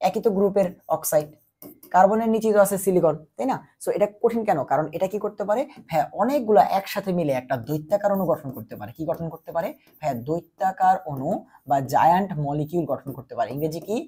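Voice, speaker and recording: A man's voice: high-pitched, fast, dark tone, husky. A young man teaching chemistry while feverish, asking questions and answering them himself. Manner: repetitive call-and-answer teaching, quizzing the listener. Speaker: chemistry tutor. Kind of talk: exam-prep lecture.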